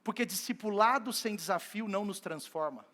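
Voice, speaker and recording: High-voiced male pastor in a church service, an animated storyteller who acts out the scenes. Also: a little fast. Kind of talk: sermon.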